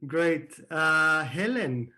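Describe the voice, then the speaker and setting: A man hosting an online program's opening, welcoming the participants over a video call with many pauses and fillers. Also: a little high, animated, pushed and bright. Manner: hesitant, many fillers and restarts. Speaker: program host.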